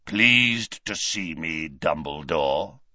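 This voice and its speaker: A man voicing a savage werewolf with a rasping bark, slow and leering, in a dull, dry recording. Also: rumbling low, animated, bright, forceful tone, no room sound, voice pushed down, heavily acted. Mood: menacing.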